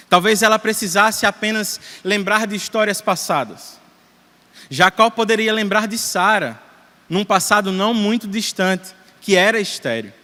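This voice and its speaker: A man with a Brazilian Portuguese accent, preaching an expository sermon in a church, measured and emphatic, posing rhetorical questions. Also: high-pitched, fairly bright tone, long reverb tail. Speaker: presbyter preaching. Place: church sanctuary.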